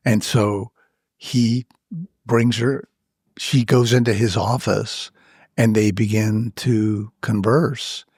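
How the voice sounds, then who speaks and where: An older man with a slightly husky voice speaks slowly and thoughtfully as an author being interviewed. He pauses often and fills the gaps with "you know". The sound is close and dry. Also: lowish voice, level tone, a little mellow, no room sound. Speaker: author and guest. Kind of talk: reflective interview storytelling.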